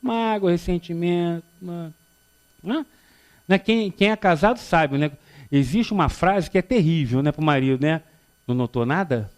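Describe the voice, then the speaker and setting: A man's voice: high voice, a little slow, clear, resonant tone. A man in his fifties with a Rio de Janeiro accent, giving a public spiritist talk as a lecturer, joking and acting out little dialogues as he tells stories. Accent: Carioca Brazilian Portuguese. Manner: animated, joking storyteller who acts out dialogue. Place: lecture hall before an audience.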